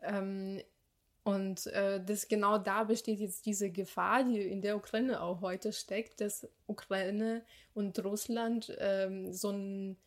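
A woman's voice: medium pitch, steady tone, slow pace. A young adult woman co-hosting a casual podcast conversation, thoughtful and reflective, with frequent fillers and restarts. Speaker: podcast co-host.

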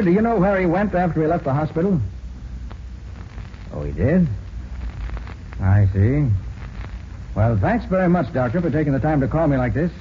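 An actor playing a shrewd, commanding detective in a 1940s American radio drama, speaking in brisk declarations. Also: male voice, medium pitch. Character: confident master detective, shrewd and authoritative. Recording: dull, hissy 1940s radio recording.

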